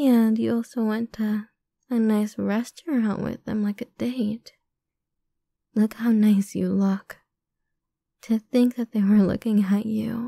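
Very slow pace, long and frequent pauses, a playful tone, dry sound with no echo, and a quiet background. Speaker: ASMR roleplay creator. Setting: solo audio recording, listener addressed as partner. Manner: possessive, domineering, with playful laughs.

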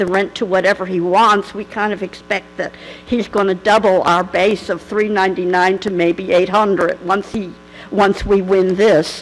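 Noticeable background noise sits behind the voice. The delivery is monotone and flat at a moderate pace. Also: woman. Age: 70s. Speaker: public commenter at city council. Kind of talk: public comment at council meeting.

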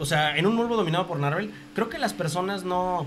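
A man at a moderate pace with very wide pitch swings, plus noticeable background noise. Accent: Mexican. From Mexico. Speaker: film and comics commentator; comics commentator. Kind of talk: casual chat. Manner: animated. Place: home room. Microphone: studio mic.

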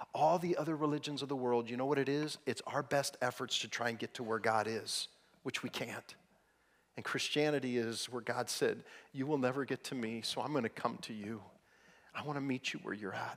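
The speech moves at a fairly quick pace with ordinary pitch variation. The background is quiet. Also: man. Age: 40s. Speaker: pastor. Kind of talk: sermon. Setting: church. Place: church. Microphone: headset.

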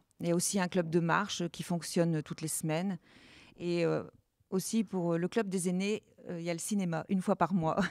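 Against a quiet background and in a dry sound with no echo, a woman speaks at a moderate pace, her fairly low pitch held in a monotone, flat intonation. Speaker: mayor. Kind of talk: live radio interview. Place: hall. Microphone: handheld.

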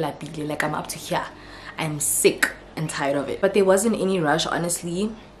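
A woman with an ordinary speaking voice talks at a fairly low pitch with fairly even intonation over light background noise. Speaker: vlogger. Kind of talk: casual vlog chat. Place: home room. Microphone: camera far.

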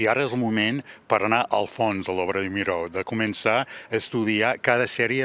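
A man's bright, sharp tone with fairly even intonation and a dry sound with no echo. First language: not Catalan, learned it as an adult (speaking Catalan). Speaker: art historian, university chair director. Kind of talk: interview. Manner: halting, with repetitions. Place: garden. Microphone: handheld.

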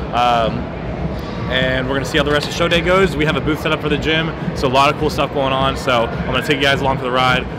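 Very fast speech from a man amid loud background noise. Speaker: fitness coach vlogger. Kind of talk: casual vlog chat. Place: hall. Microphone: phone near.

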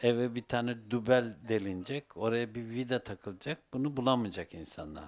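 In an ordinary speaking voice, a man talks at a medium pitch with ordinary pitch variation and hardly any pauses. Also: moderate pace. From Western Turkey (İzmir, Bayındır). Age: 60s. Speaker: Sufi religious teacher. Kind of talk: casual advice answering a question; religious talk.

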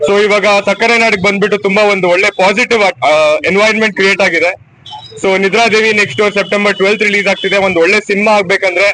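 A man with a high pitch raises and projects his voice, keeping his loudness very even and his intonation flat and monotone, over noticeable background noise. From Karnataka, Mandya. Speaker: film actor. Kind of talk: press statement to media. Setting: outdoors at a statue.

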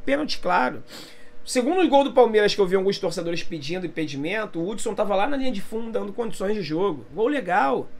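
An animated man at a fairly quick pace, with very wide pitch swings. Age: 40s. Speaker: football fan commentator. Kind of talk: casual monologue match analysis. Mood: frustrated, indignant. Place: home room. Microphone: phone near.

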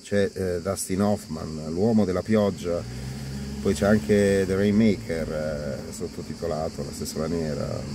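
A man speaking at a fairly slow pace, dry sound with no echo, noticeable noise in the background. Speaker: amateur vlogger reciting a book. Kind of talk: casual monologue, theatrical reading.

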